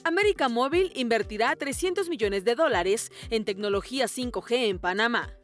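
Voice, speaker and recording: A woman's voice: a little high, animated, normal speed. A woman narrating short scripted news headlines in a formal bulletin manner. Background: music.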